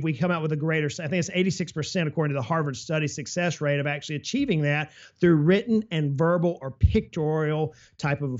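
A man on a business podcast, explaining financial planning with lively travel analogies and imagined client quotes. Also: a little high, dull audio. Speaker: financial advisor guest. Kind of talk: casual business podcast talk.

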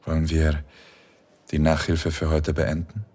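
An actor playing a calm, seductive male philosophy professor who gives slow, measured commands in an erotic audio drama. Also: a bass voice, husky, exaggerated voice. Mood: stern. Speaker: philosophy professor tutoring Spanish.

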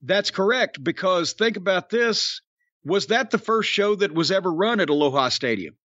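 A man's voice: high-pitched, animated, moderate pace, fairly bright tone, no room sound, highs cut off. A middle-aged man, hosting a wrestling podcast, drawling and storytelling as he quizzes his co-host. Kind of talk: casual wrestling podcast chat.

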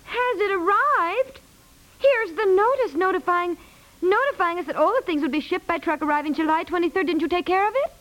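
A woman's voice: extremely high pitch, a little fast, a bit bright. A woman playing an exasperated, wry housewife and new mother in a 1950s radio comedy, scolding with emphatic delivery. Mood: indignant, exasperated. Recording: slightly aged 1950s radio recording.

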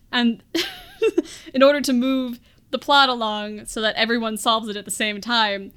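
High-voiced woman, giggly podcast recapper. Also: steady tone, slow, a bit bright, clear, resonant tone. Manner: giggly, wry storyteller with mock-dramatic asides. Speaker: podcast co-host recapping a film. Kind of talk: casual comedic movie recap chat.

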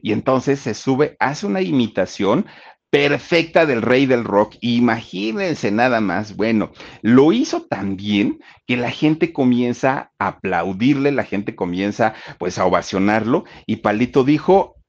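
A man tells a biography in a relaxed, chatty way and keeps turning to his listeners. His voice rises and falls with energy. The recording is dull and lo-fi. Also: mid-range voice, unhurried, vocal fry. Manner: chatty, addresses the listeners directly, many fillers. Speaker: storyteller. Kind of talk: casual biographical storytelling. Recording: dull lo-fi sound.

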